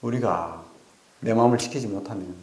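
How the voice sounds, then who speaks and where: A male pastor preaching a sermon, telling stories with animated asides and rhetorical questions to the congregation. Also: lowish voice, moderate pace, echoey room, slight background noise. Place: church sanctuary.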